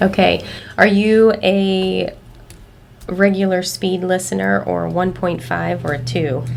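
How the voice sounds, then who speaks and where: A woman talks at a very slow pace, with audible room echo around her voice. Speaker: podcast host. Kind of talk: casual chat.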